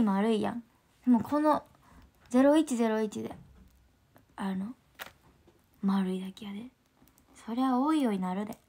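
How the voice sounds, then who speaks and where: A woman with a Kansai accent, an idol group trainee, hosts a livestream and chats casually while reading viewer comments. Her voice is a little high, she laughs often, and she slips into soft whispers.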